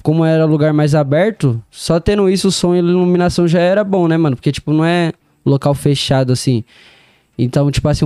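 Young são dude chatting on a podcast, slangy, laughs a lot, mellow dry voice. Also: male voice, a little high, clear, resonant tone, dry recording. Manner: laid-back street slang, storytelling, laughs often. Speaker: DJ and music producer guest. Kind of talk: casual podcast interview.

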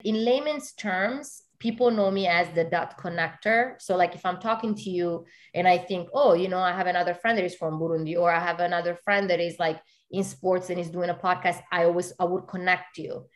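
A woman's voice: on the low side, brisk, hardly any pauses. A woman from Italy, a guest in an interview, talking in an earnest, casual way and filling her speech with "you know" and "like".

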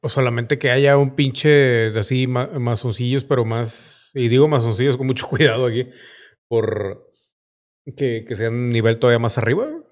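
A man's voice: mid-range voice, moderate pace. A Mexican man with a mid-range voice talks casually, as with a close friend. His speech is informal and peppered with coarse slang. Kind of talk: casual chat.

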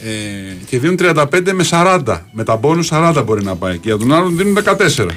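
A man's voice: fairly high pitch, sing-song, fairly bright tone, soft background music. A man co-hosting a Greek sports radio show, joking and sarcastic in casual banter.

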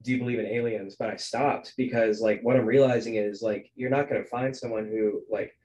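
A man's voice: on the low side, fairly even intonation, brisk, darkish tone, slight background noise, rough recording. Musing young man, lots of ums. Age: 20s. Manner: musing, hesitant, filler-heavy. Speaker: podcast host. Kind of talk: casual podcast conversation.

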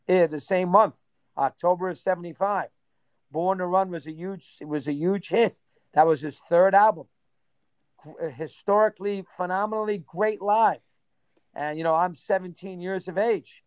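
A man in his sixties, reminiscing in a casual interview, rambling and rattling off names in quick bursts. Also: high-pitched, clear, resonant tone, no echo. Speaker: interview guest.

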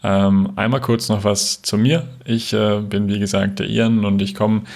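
Man, low creaky voice, flat intonation, informal voice message, from the Ruhr. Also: measured pace. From Ruhr area, Germany. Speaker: listener sending a voice message.

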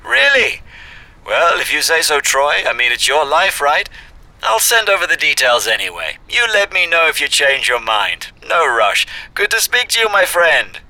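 A man's voice: fairly high pitch, big pitch swings, normal speed, bright, forceful tone, dry recording, exaggerated voice, poor audio. An actor playing a chummy, breezy underworld job broker in an audio drama, with a casual salesman-like manner.

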